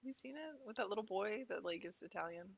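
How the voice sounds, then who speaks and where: Bubbly podcast co-host, casual chat, very animated pitch. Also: fast, vocal fry. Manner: bubbly and chatty, with many laughs.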